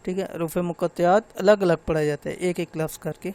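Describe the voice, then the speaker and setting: A man's voice: sits high, fairly even intonation, a little mellow. A man teaching a tajweed lesson to women, explaining patiently step by step and drawing out the letters as he recites them.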